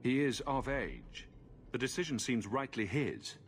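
An actor playing a composed, serious adventurer hero in a video game, speaking in a measured, blunt way. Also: male voice, medium pitch, very animated, slight background noise. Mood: somber.

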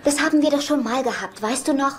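An actress in a German sitcom dub playing a sweetly eccentric, earnest grown daughter. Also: female voice, sits high, quick pace, natural voice. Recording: noisy TV soundtrack with ambience.

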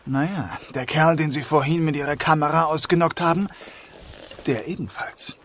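An actor playing a dry, cautious police detective in a German crime audio drama, wry and understated. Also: male voice, fairly high pitch, normal speed, fairly bright tone. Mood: serious, wary. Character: dry, cautious male police detective inspector narrating his case. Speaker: lead actor and narrator.

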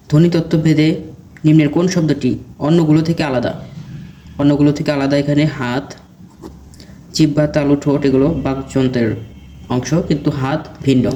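A man with a somewhat high, mellow voice works through exam questions one after another, stating each question and then its answer. His delivery is steady and methodical, like a teacher drilling students. A faint hiss of background noise sits under the recording. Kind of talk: reading quiz questions and answers.

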